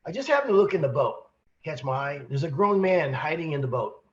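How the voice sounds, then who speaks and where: A man co-hosting a casual podcast, hoarse from a cold, telling a rambling, animated story with many restarts. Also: fairly high pitch, fairly quick, dull audio. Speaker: podcast co-host, sales manager.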